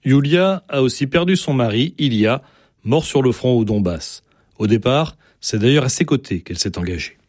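A man's voice: medium pitch, expressive, normal speed, a little mellow, no echo. Dry-voiced male radio host. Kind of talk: scripted narration introducing the interview.

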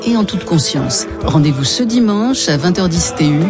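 A woman's voice: fairly low pitch, expressive, normal speed, over music. A woman reading a radio concert promo with enthusiasm.

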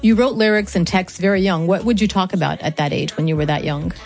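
A woman working as an interpreter, relaying answers in a steady, measured way with small hesitations. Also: fairly low pitch. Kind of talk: consecutive interpreting between French and English.

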